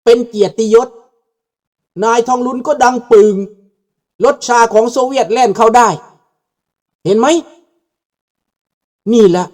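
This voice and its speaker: An older man giving a fiery political talk, mixing Thai and Lao and often asking the audience questions. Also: extremely high pitch. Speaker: political commentator. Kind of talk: impassioned political monologue. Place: abroad, outside Laos.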